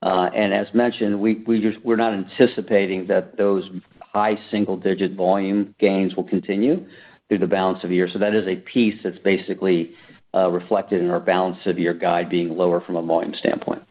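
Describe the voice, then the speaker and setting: A man speaking as a finance executive, answering business questions off the cuff in measured, hedging corporate language. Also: low-pitched, level tone. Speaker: company finance executive on earnings call. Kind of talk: unscripted business Q&A. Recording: muffled narrow phone-like conference line.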